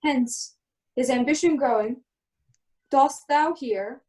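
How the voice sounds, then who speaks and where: A solemn, commanding exiled wizard duke and protective father, played by a woman with a high voice. The delivery is measured Shakespearean storytelling for an amateur radio play. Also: darkish tone. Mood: grave, insistent.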